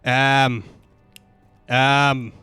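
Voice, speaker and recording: Man, game streamer, bright forceful voice, animated, rambling irreverent casual commentary, dry close sound. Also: medium pitch, drawn-out words, clean tone, no echo, faint music behind.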